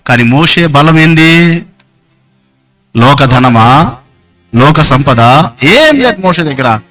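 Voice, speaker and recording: A man's voice: mid-range voice, fairly bright tone. A man preaching a Sunday sermon in an emphatic, repetitive way, often putting questions to the congregation.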